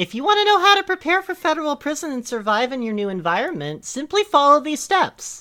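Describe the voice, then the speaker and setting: A raised, projected voice with a bright, sharp tone moves at a fairly quick pace through very wide pitch swings and hardly any pauses, captured in a very clean recording with a silent background. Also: woman, high pitch for a woman. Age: 40s. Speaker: podcast host. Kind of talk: comedic reading and banter. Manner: animated.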